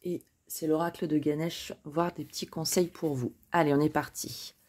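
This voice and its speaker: A woman's voice: low voice, fairly even intonation, normal speed, darkish tone. A woman chatting casually as she lays out tarot cards for her viewers, hesitating often and joking at her own expense. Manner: chatty, hesitant with frequent fillers, self-joking. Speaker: tarot card reader. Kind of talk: casual spoken card reading.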